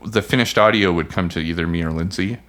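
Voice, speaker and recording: Low-voiced man chatting on a podcast. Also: fast, fairly bright tone. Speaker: podcast co-host and animator. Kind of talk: casual podcast chat.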